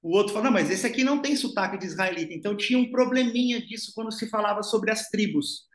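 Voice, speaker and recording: A man's voice: high-pitched, fast talker, reverberant. A man giving a conversational devotional Bible lesson, explaining step by step and speaking directly to his listener. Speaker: devotional teacher. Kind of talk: informal Bible teaching.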